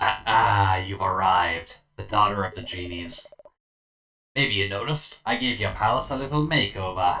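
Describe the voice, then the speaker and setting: In a put-on character voice, a man speaks at a moderate pace with a very deep, low pitch that sounds strained, raspy and gravelly. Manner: theatrical, sinister.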